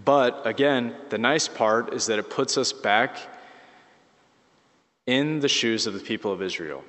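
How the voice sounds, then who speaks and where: A slightly hoarse man giving a casual, conversational sermon as a priest, with many fillers and restarts. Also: mid-range voice, a little slow, fairly bright tone. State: slightly hoarse, losing his voice. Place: church. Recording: church mic with long reverb.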